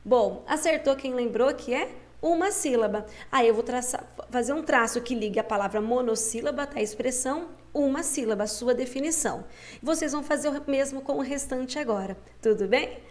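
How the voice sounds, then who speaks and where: A woman's voice: high-pitched, darkish tone. Patient woman teaching children. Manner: patient, coaxing, slows down to spell out syllables. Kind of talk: primary school lesson.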